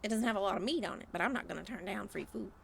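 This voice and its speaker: A woman's voice: mid-range voice, racing, creaky, fairly bright tone, slight background noise. A woman playing a hungry, snarky scavenger demon in a comedic audio drama, casual and dismissive. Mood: grumbling.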